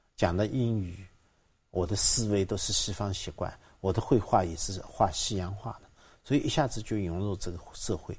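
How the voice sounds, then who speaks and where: Somewhat breathy and dark, mellow in tone, a man speaks at a fairly low pitch and moderate pace. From China, Zhejiang (Zhuji). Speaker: painter. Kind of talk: interview.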